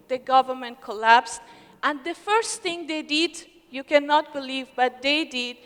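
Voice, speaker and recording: A young woman from Afghanistan giving an earnest, emotional speech at a ceremony, often halting and restarting her words. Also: sits high, pushed and bright. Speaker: scholarship recipient speaker. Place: hotel ballroom. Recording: long reverb of a large hall.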